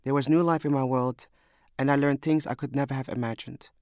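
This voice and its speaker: A young man from Somalia reads a scripted first-person memoir in a measured, reflective way. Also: mid-range voice, fairly even intonation, a little mellow, dry recording, clean studio sound. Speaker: storyteller.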